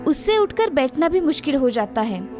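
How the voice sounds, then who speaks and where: High-voiced woman narrating a story. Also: moderate pace, soft background music. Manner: even, dramatic storytelling.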